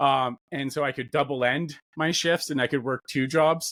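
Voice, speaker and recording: The intonation stays fairly even, and the sound is dry and close, with no echo. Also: man. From Canada, southern Ontario (Waterloo region). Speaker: manufacturing industry director. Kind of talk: podcast interview. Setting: remote call.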